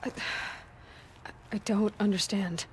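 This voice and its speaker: An actress playing an earnest young tribal huntress in a video game, questioning in an intent, restrained, natural way. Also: female voice, medium pitch, fairly even intonation, slow, a little hiss or hum, natural voice. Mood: intent, troubled. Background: background music.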